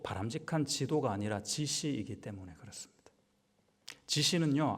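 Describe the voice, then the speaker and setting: A man pastor preaching a Wednesday sermon in a conversational style, asking the congregation rhetorical questions. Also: medium pitch. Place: church sanctuary. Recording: long church hall reverb.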